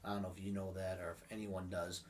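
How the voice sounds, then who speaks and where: A man's voice: deep voice, little pitch movement, fast talker, slight background noise. A man in his late twenties, stuffed up from a cold, chatting casually as an interview guest, laughing often and swearing freely. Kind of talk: casual chat.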